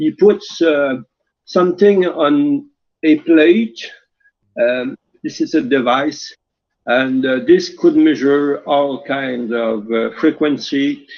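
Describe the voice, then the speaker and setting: Speaking at a very slow pace, a man with a French accent uses ordinary pitch variation. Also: fairly high pitch for a man. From Quebec. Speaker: caller. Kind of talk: question to a teacher. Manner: halting, many fillers.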